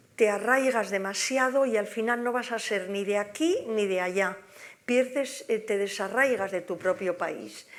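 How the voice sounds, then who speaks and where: At a fairly slow pace, this unremarkable speaking voice carries ordinary pitch variation. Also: woman, medium pitch for a woman. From Basque Country, Bilbao. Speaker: visual artist. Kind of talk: Q&A at a university talk.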